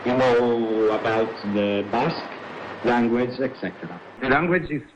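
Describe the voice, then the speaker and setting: Male guest, Italian accent, native Furlan, searching phrasing, mid pitch, dull static-filled shortwave. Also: a little slow. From northern Italy. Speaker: documentary filmmaker, interview guest. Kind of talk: conversational interview. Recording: muffled, noisy shortwave radio broadcast.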